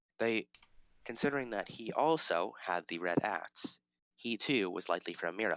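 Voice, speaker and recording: Moderate pace, in a very clean recording with a silent background. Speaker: dungeon master. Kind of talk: tabletop role-play narration.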